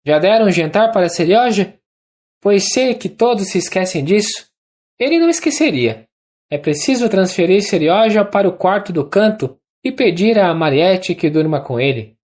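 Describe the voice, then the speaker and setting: A narrator with a Brazilian accent voicing a young woman, feverish and delirious after childbirth, talking in a rapid, urgent, raised pleading voice. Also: mid-range voice, animated, a little mellow, pitched above the performer's own voice, close to an everyday voice. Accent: Brazilian Portuguese.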